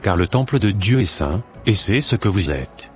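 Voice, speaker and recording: A man voicing an earnest Christian big brother in a cartoon, speaking in a measured, didactic, preachy way. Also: fairly low pitch, expressive, soft background music, lightly acted. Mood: earnest, exhorting. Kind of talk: scripted cartoon dialogue, expository.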